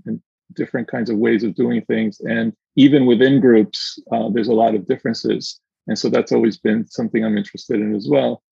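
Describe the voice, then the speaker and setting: Husky middle-aged man on roomy call. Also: mid-range voice, darkish tone. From Argentina. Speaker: podcast guest, inclusion consultant. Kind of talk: conversational interview answers. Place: indoors, remote video call. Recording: dull, roomy video-call audio.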